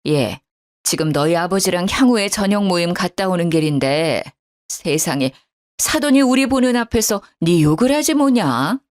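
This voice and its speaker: A woman's voice: fairly low pitch, expressive, normal speed, a little mellow, lightly acted. A woman voicing an indignant middle-aged mother in a storybook drama, talking in an agitated, scolding way.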